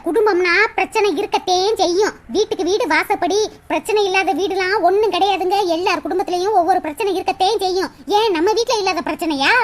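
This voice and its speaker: A woman voicing a sharp-tongued young wife in a cartoon, scolding and sarcastic with mocking laughs. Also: extremely high pitch. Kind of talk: cartoon voice acting.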